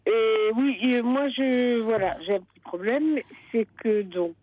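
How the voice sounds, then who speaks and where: A woman calls in over a tinny, narrow cordless phone line, her voice muffled and thin. She talks slowly and haltingly, pausing often to search for words. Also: fairly high pitch, slight background noise. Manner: hesitant, halting, with many pauses. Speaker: caller. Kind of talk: late-night radio call-in confession. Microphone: cordless home phone handset.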